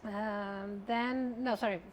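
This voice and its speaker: A woman's voice: medium pitch, slow, slight background noise. A middle-aged woman whose first language is Persian, a jewellery business owner telling stories in a chatty interview. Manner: chatty storyteller, lively when recounting. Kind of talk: interview conversation.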